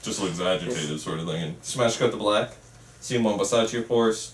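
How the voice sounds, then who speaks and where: A man's voice: lowish voice, moderate pace. A man narrating script stage directions in an amateur table read. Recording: echoey room, distant mic, faint noise.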